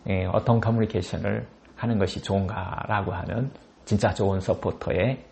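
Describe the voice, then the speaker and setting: Male lecturer with a dark, gravelly voice. Teaches step by step and acts out sample lines. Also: lowish voice, fairly even intonation, normal speed, a little hiss or hum. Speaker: lecturer on healing and mind care. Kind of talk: lecture with role-played example lines.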